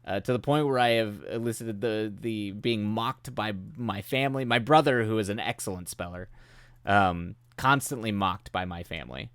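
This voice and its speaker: Low-voiced man chatting as he comes down sick. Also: moderate pace, fairly bright tone, clean tone, no room sound, studio quality. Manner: rambling, self-deprecating, laughs often. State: getting sick, voice starting to go. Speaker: streamer hosting writing sprints. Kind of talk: casual chat with live chat.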